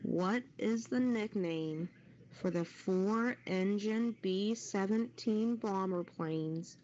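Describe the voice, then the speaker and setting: Woman, quiz host, unhurried slow delivery, dull lo-fi voice chat, faint background noise. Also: mid-range voice, a little mellow. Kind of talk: reading trivia questions to live participants. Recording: dull, noisy lo-fi voice-chat audio.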